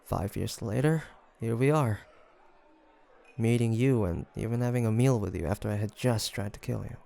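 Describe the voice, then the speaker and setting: Guy acting young demon hunter for an audio roleplay, kinda low voice w lots of fry, guarded but lonely, halting and confiding. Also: warm tone. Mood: wistful, confiding. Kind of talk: intimate audio roleplay addressed to listener.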